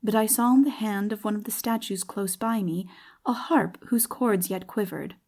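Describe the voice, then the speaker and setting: A woman's voice: medium pitch, moderate pace, darkish tone. A woman narrating a literary audiobook as a dramatic reading.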